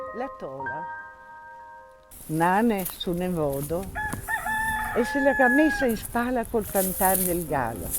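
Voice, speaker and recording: Speaking in an Istrian accent, a woman of medium pitch talks at a very slow pace with long, frequent pauses and very wide pitch swings. Music plays in the background, and room echo is audible. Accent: Istrian Venetian dialect (Izola). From Izola, Slovenian coast (Istria). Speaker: poet. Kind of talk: poetry reading.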